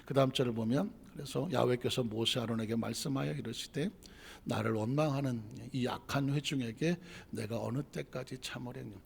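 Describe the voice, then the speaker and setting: A man's voice: medium pitch, moderate pace, gravelly, husky. A male pastor preaching a sermon, firing off rhetorical questions that build to emphatic peaks. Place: church sanctuary. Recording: church sanctuary with long reverb.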